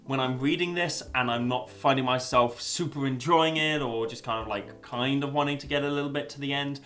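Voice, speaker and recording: A man's voice: medium pitch, fairly even intonation, a little fast, fairly bright tone. A young man giving a casual spoken review, rambling with lots of fillers and restarts, and swearing now and then. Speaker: video essayist reviewing a story.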